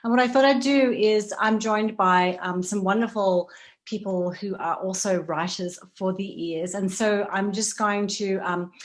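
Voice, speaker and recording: A woman's voice: mid-range voice, steady tone, a little slow. A woman with a mid-range voice moderates an online panel. Her style is informal and conversational, and she is heard over a video call.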